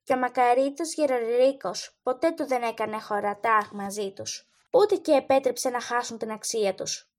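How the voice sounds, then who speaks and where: A woman reading the part of a frightened, haggling peasant woman in an audiobook, pleading and shrill. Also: close to an everyday voice. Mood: indignant.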